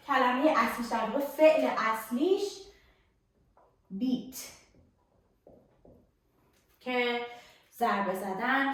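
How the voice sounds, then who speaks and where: High-voiced teacher in a very echoey room. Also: female voice. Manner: explains slowly, drawing out English example words. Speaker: English teacher. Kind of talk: vocabulary lesson at a whiteboard. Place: classroom with a whiteboard.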